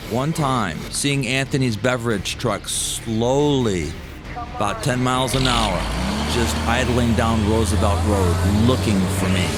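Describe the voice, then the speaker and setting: A man telling a scripted first-person story as narrator, with deliberate, dramatic phrasing. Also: mid-range voice, background noise.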